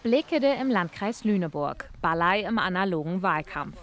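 A woman narrating a scripted regional news report in an even, measured way. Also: on the low side.

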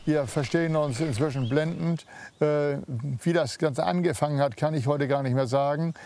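A man in an interview telling how a friendship started, in a relaxed way. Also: on the high side, moderate pace, slight background noise.

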